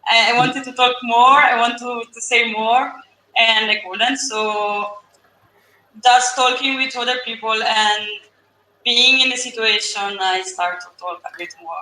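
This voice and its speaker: Italian girl in her 20s, accented english, a bit higher voice, hunting for words, roomy echo. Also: fairly even intonation, a little slow, pushed and bright. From Italy. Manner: searching for words in a second language. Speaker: student guest. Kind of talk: casual interview chat.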